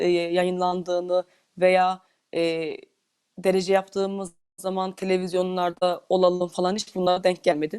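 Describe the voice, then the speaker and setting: A woman is speaking. Her pace is moderate. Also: quiet background. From Turkey. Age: 20s. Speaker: curling athlete. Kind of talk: interview; interview answer. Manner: halting, many filler sounds. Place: home room. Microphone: earbuds.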